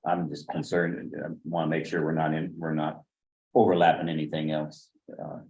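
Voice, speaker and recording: A man's voice: extremely low pitch, flat delivery, normal speed, darkish tone. A man on a county board asking questions and fumbling his words while making a motion. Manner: questioning, hesitant phrasing. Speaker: county commissioner. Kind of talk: public board meeting. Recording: tinny phone-like audio.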